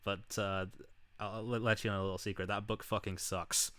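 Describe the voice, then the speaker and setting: A man's voice: on the low side, little pitch movement, a little fast, sharp tone, a little hiss or hum. A man from Scotland hosting a podcast interview, loose and sweary, with a self-mocking streak. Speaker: podcast host. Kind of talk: casual interview chat.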